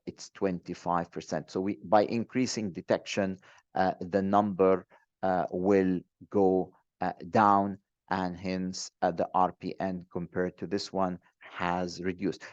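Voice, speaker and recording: Very low-voiced man with many fillers. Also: a little mellow, no room sound. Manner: hesitant, many fillers and restarts. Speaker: webinar presenter. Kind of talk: online training webinar. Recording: dull, dry close mic.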